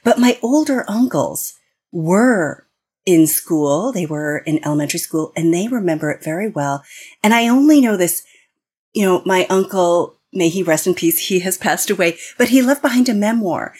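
A woman's voice: lowish voice, lively intonation, normal speed, a little mellow, slightly rough. An American woman speaking as a guest on an interview podcast, explaining in an earnest way with frequent restarts. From United States. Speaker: guest expert.

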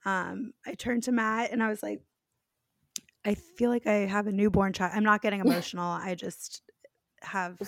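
A woman with a raspy voice co-hosting a podcast, talking candidly in a rambling, self-mocking way. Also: medium pitch, fairly even intonation, moderate pace, fairly bright tone, no echo, studio quality. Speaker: podcast co-host. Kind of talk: casual chat.

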